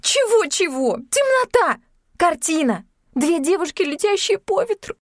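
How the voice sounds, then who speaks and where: A woman voicing a distraught, tearful young woman who wails and sobs between excited outbursts. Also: high-pitched, unhurried, no echo, clean studio sound, pitched above the performer's own voice. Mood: agitated. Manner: wailing, sobbing outbursts.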